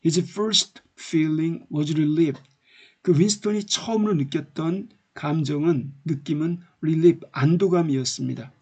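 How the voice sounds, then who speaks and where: A man teaching an English novel in a lecture, reading each line slowly and then explaining it at length. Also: fairly high pitch, a little mellow, slightly rough.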